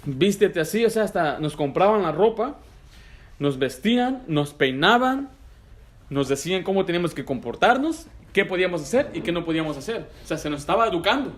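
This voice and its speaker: A man with a high-pitched voice preaching in a church, pressing his listeners with pointed rhetorical questions. He speaks in an emphatic, direct way and slips English phrases into his sermon. He sounds middle-aged. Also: big pitch swings, fairly quick. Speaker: pastor.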